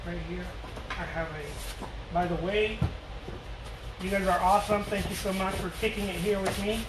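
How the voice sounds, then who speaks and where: Chatty high-voiced man from Mexico. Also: steady tone, moderate pace, very noisy. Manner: rambling, jokey, reads out and answers viewer questions. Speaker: painter streaming to viewers. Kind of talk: casual live painting chat.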